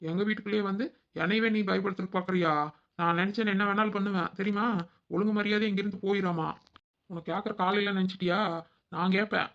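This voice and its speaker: A woman voicing a bold, sharp-tongued young village wife, in a cartoon. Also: mid-range voice, fairly even intonation, fast talker, close to an everyday voice. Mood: scolding. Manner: scolding, sassy. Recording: dull lo-fi audio.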